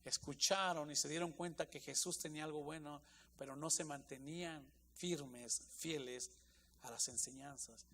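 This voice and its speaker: A male pastor delivers a Spanish sermon in a fairly high voice, driving his points home by repeating lines. He swings from soft, measured passages to louder, more urgent stretches. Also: fairly even intonation, a little hiss or hum. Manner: preaching with rising intensity, repeats phrases for emphasis.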